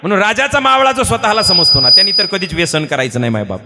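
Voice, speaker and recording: A man's voice: sits high, lively intonation, fast talker, a loud crowd. A man preaching a devotional kirtan sermon, telling comic stories in an earnest tone and addressing the audience as elders. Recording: echoey hall with live instruments.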